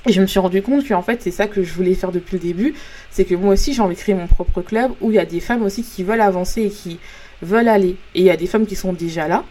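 French woman coach hosting her own podcast, warm and mellow tone, earnest, talks straight to listeners. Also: mid-range voice, fast. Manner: earnest, frank, many fillers and restarts. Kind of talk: casual motivational monologue.

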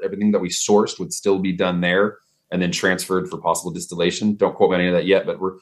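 A man from Texas, a bartender guest on a podcast, talking easily with frequent fillers. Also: sits low. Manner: easygoing, talkative, frequent fillers. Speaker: guest, vodka brand bartender. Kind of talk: casual chat.

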